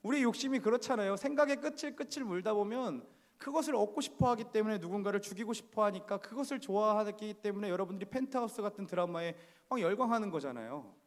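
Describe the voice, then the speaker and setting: A man's voice: sits high, animated, fast talker. A male pastor preaching a sermon in a church, speaking conversationally and often putting questions to the congregation. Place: church sanctuary. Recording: church hall reverb.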